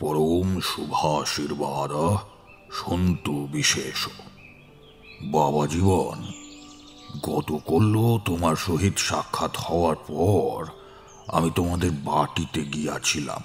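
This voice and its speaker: Putting on a character voice, a man speaks very slowly at a very deep, low pitch, with fairly even intonation and very even loudness over clear background noise. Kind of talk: formal old-style Bengali letter reading. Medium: audio drama. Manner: hesitant, earnest.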